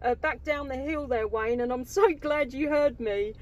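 A woman's voice: high-pitched, normal speed. An enthusiastic woman, making radio contact as a CB operator from inside a car. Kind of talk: radio contact chat with call signs.

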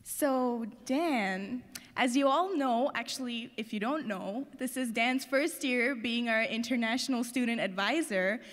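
A woman's voice: on the high side, a little slow. A young woman from India, a student leader giving informal remarks on a stage. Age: young adult. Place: large auditorium stage. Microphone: handheld microphone. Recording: echoey auditorium.

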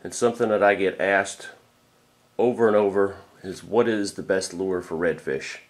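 A middle-aged man with a deep, low voice walks through his gear in a casual how-to style. He talks plainly and practically, with a fair number of uh's along the way. He sounds like the experienced fishing guide that he is. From Florida. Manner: plain, practical, with frequent uh fillers. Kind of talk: casual instructional talk.

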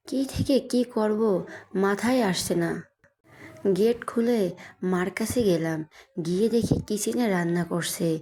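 A woman narrating a romantic audio story in the first person, in a plain, steady reading voice. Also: mid-range voice.

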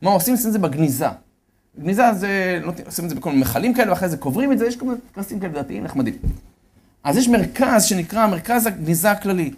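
A man telling a religious story as a lecturer, animated and often telling his audience to listen well. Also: high voice. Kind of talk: storytelling sermon.

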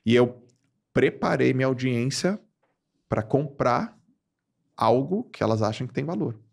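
A man from Brazil in his forties, a podcast guest telling stories in casual slangy chat, with big jumps in pitch for emphasis. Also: lively intonation, measured pace, vocal fry.

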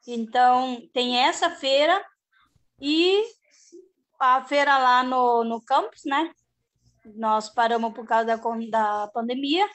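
Woman, high voice, middle-aged, organic farmer, video call from home, chatty and rambling. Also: takes it slowly, fairly bright tone. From southern Brazil. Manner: chatty, rambling with many restarts and "né?". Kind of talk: casual video-call panel talk.

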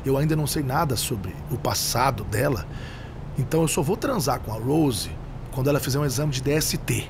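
A man's voice: mid-range voice, animated, a little fast, noisy background. A man dubbed in a reality show clip, talking in a hesitant, insecure way.

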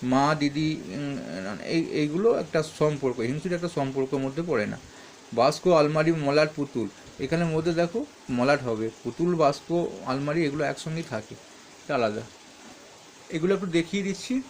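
Guy with a high voice going through textbook answers, lil bit of hiss behind. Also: lively intonation, normal speed. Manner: reads questions then answers, stops to correct himself. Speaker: teacher.

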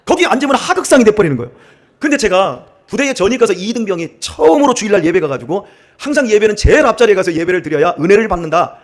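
A middle-aged male pastor from central Korea preaches in a church sanctuary, his voice sitting high for a man. He swings widely up and down as he tells humorous stories and acts out how other people talk. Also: fast. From Chungcheong region, Korea. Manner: animated, acts out dialects and laughs while telling stories. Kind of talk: sermon with humorous storytelling.

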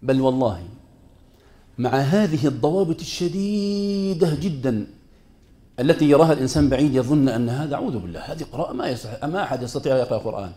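A man's voice: medium pitch, expressive, fast, mellow. A man teaching a class on Quran recitation rules, speaking emphatically and putting rhetorical questions to his students. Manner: mixes formal Arabic with colloquial asides.

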